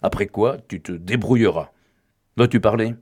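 A stern young gentleman issuing a threat, slow and accusing, as a man reading the novel voices him. The voice is low, pushed a little louder and firmer than the narration. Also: slightly rough. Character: stern young gentleman confronting his lover. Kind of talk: audiobook reading.

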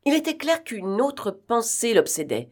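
A woman reading a novel aloud as an audiobook narrator, steady, with occasional small fillers. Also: on the high side, measured pace. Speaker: audiobook reader.

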